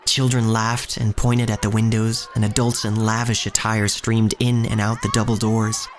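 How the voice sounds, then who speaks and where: In a scripted audio drama, a man narrates and plays the lead, a wary young street thief telling his own story in a descriptive mood. His voice is lowish and natural, with a level tone and moderate pace, over a music bed.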